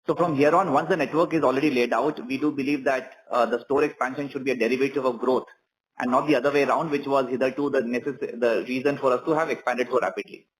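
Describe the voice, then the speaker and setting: A man with an Indian accent answering questions as a company executive on an earnings call, in measured corporate wording. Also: mid-range voice, steady tone, poor audio.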